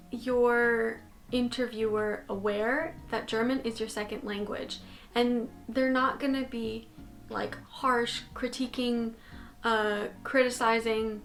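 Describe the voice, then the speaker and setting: Chatty young woman vlogging from her bedroom. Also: on the high side. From Canada. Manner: chatty and animated, gesturing with her hands. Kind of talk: casual talking-head vlog. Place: bedroom, indoors. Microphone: fixed camera at desk distance.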